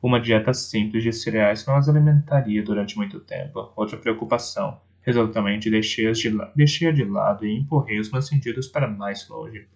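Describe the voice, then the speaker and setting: A man's voice: on the low side, a little fast, gravelly, few pauses, a little mellow. A man reading an audiobook aloud, stumbling and correcting himself as he goes, recorded on a dull lo-fi setup. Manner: reads with restarts and self-corrections. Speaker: audiobook narrator.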